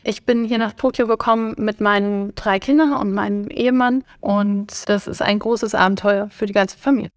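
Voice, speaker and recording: A woman's voice: medium pitch, steady tone, moderate pace, hardly any pauses, dry recording, studio quality. A woman speaking as a guest on a podcast panel, connected remotely, in a fluent and orderly way. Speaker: embassy economic officer, panel guest.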